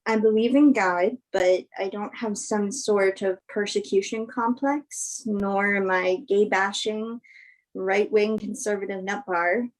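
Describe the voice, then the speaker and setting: A woman's voice: mid-range voice, steady tone, natural voice, poor audio. Woman playing an earnest, thoughtful film actress. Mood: candid. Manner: earnest, measured phrasing. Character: Emma, sincere film actress woman, thoughtful, open-minded believer. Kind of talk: virtual staged play reading, naturalistic dialogue.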